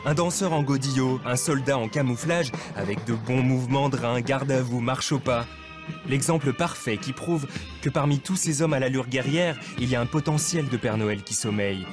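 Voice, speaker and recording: A man's voice: medium pitch, moderate pace. Wry male documentary narrator over music. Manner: wry, playful delivery. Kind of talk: scripted narration. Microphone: studio voice-over.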